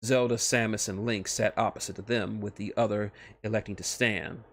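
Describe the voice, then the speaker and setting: A man's voice: fairly low pitch, fairly even intonation, normal speed. A man narrating fan fiction live on a stream, now and then stumbling and rereading phrases.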